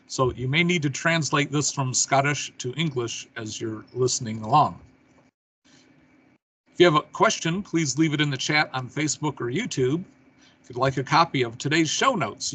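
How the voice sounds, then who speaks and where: A man with a husky, slightly rough voice hosts an interview show. He delivers prepared announcements and casual questions in a conversational way at a middling pitch. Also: expressive, normal speed, a bit bright. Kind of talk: scripted show intro and casual interview talk.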